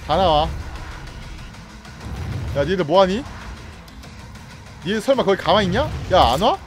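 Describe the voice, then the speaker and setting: A man with a high, lively voice gives playful let's-play commentary while he games, taunting and sweet-talking the monsters on screen. His pitch swoops up and down all the time. Game music plays behind him. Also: a little slow. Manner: playful, taunts and coaxes the enemies he fights. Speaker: gaming streamer. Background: game music and effects.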